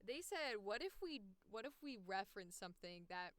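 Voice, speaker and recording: A woman's voice: mid-range voice, very animated, normal speed, fairly bright tone, no echo. Dry-sounding, sweary woman chatting on livestream. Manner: sweary, playfully sarcastic. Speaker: voice actor hosting a livestream. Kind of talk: casual livestream chat, thinking aloud.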